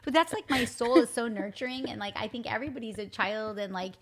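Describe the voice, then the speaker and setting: A woman's voice: a little high, quick pace, a crowd in the background. A middle-aged mother, a guest on a faith podcast, speaking in a nurturing, reflective and earnest way. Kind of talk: casual heartfelt chat.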